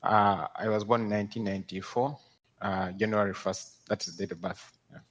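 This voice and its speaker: A man in his twenties, from Darfur, giving careful, halting testimony as a witness over a video call. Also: lowish voice, fairly even intonation. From Sudan, Darfur. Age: 20s.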